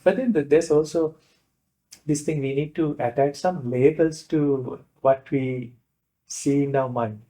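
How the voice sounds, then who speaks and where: A man with a Sri Lankan accent, a Buddhist monk giving an informal lecture in a hesitant, explanatory way, often pausing to rephrase. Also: a little high, fairly even intonation, dark tone, rough recording. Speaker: Buddhist monk teaching a class.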